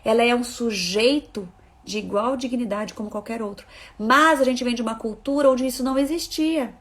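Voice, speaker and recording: A woman with a somewhat high voice gives a live talk as a parenting educator. She is emphatic, driving her points home by repeating phrases and calling out to her audience, and now and then she reads viewer comments aloud. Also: normal speed. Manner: emphatic, repeats key phrases, addresses listeners as "gente".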